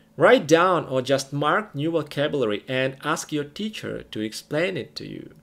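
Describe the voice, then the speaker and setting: A man with a fairly high pitch speaks at a moderate pace with lively intonation and vocal fry. His loudness swings widely. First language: not English. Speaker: language learning youtuber. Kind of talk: tutorial.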